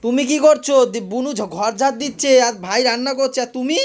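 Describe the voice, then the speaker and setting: A woman's voice: high voice, moderate pace. A young woman from West Bengal chatting playfully with a small child at home in a casual family vlog. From West Bengal, India. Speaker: family vlogger. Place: home indoors.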